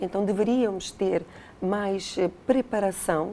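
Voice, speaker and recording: Her tone is dark and mellow as this woman speaks at a medium pitch with ordinary pitch variation. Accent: European Portuguese. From Portugal. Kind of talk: TV interview. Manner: hesitant with many fillers.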